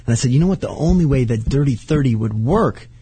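A man's voice: mid-range voice, lively intonation, fast, warm tone, husky, no echo. A man of thirty, a guest telling frank stories about his past, with many "like"s in his speech. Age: 30s. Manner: candid, confessional, many "like"s. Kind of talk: casual chat, storytelling.

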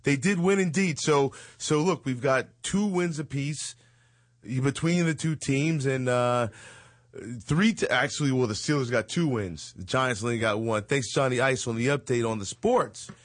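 On a chat show, a male host in his 40s rambles and jokes at a normal speed, his medium-pitched voice captured in echo-free studio quality. He fills his loose banter with frequent fillers and laughs.

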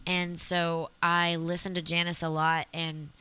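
A woman's voice: fairly low pitch, level tone, pushed and bright, a little hiss or hum. A woman from East Texas, chatting as an interview guest with lots of fillers. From East Texas, USA. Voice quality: raspy voice. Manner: chatty, fast storytelling with many fillers. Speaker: guest singer. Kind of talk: casual interview chat.

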